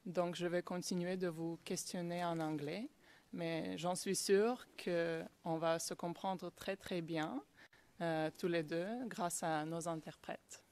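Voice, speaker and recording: A woman's voice: fairly low pitch, steady tone, slow pace, darkish tone. A woman prosecution lawyer addressing a witness politely in court, speaking French, which is not her first language, and hesitating often. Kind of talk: courtroom questioning.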